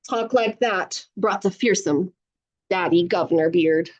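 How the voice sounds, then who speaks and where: A woman reading a storybook aloud to children over a video call, with animated narration and encouraging, chatty asides, in dull lo-fi sound. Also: on the low side, measured pace. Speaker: children's author reading own book aloud.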